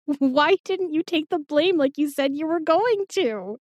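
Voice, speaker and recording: Actress doing a cheeky young modern gal, high voice, bouncy intonation, casual, fantasy audio drama. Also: female voice, expressive, unhurried, dry recording. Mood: teasing. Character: sassy, playful young modern woman in fantasy world.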